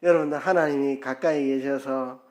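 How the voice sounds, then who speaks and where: A man preaching a sermon as pastor, telling the story lively and acting out quotes, with his voice rising loud and dropping soft. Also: mid-range voice, moderate pace. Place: church sanctuary.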